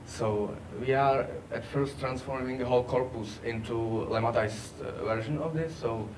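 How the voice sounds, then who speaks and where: Halting male presenter, distant noisy room. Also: medium pitch. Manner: halting, many "uh" fillers. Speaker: workshop presenter. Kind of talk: technical presentation. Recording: distant mic, background noise.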